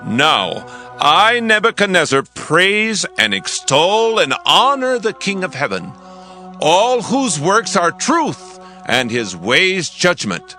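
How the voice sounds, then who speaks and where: A man's voice: sits high, very animated, takes it slowly, sharp tone, full character voice. An actor playing an exalted king of Babylon in a dramatized scripture recording, declaiming in a grand, regal manner. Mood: reverent, exalted. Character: proud, exalted king of Babylon, boastful then reverent. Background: faint music.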